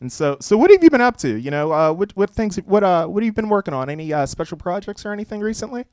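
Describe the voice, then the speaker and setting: A man's voice: high voice, sing-song, a little mellow, smooth, dry recording. Upbeat man hosting, dry close sound. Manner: upbeat, quick affirmations and laughter. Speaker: interview host. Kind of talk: casual interview hosting.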